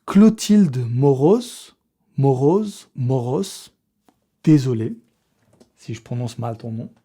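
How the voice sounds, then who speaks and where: A man's voice: medium pitch, lively intonation, slow, dark tone. Slangy, chatty young man. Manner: slangy, swearing, chatty, laughs often. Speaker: fitness youtuber running a giveaway draw. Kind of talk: casual vlog talk to camera.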